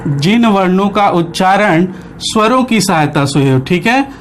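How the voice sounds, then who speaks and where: A man's voice: high voice, animated, a little slow, slight background noise. A man teaching Hindi grammar in an online exam-prep class. He poses questions to the class, answers them himself, and keeps repeating key points with short checks.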